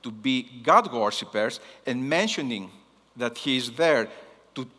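A man's voice: mid-range voice, animated, measured pace, pushed and bright. Greek-accented male preacher in a reverberant hall. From Greece. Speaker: guest missions preacher. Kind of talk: sermon. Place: large hall, speaking to a congregation.

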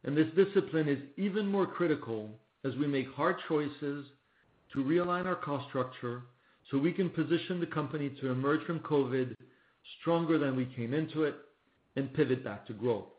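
A man, a company executive, reading a scripted corporate presentation on an earnings call in formal, measured phrasing. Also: a little high. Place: conference call line. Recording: muffled phone-like line, roomy echo.

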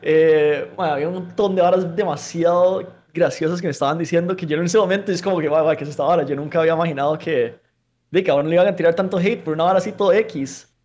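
A young man from the United States whose first language is English, a content creator telling a casual story in relaxed, slangy speech. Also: fairly high pitch, fast talker.

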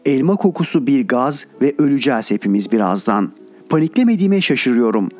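A man's voice: mid-range voice, sing-song, brisk, darkish tone, faint music behind. A man reading a reflective first-person account, recounting a vivid dream and then lamenting hard times, in scripted narration.

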